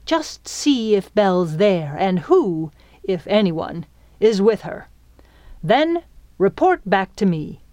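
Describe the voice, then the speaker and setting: A woman's voice: medium pitch, very animated, takes it slowly, mellow, no echo. A woman voicing a brooding male pirate captain in a growling, commanding manner for a story. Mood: gruff, commanding.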